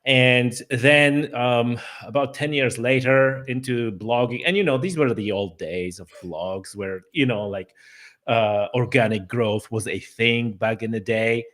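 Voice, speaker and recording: A man's voice: medium pitch, measured pace, fairly bright tone. A man from Poland, speaking English with a Polish accent as a guest in a casual interview, talking easily with frequent fillers and restarts. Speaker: podcast guest.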